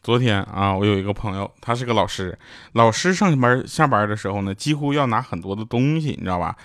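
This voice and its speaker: A man's voice: on the low side, lively intonation, a little fast, a bit bright, dry recording, clean studio sound, soft background music. A man hosting a comic talk show, teasing his listeners and laughing at his own punchlines. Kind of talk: comic chat with listener stories.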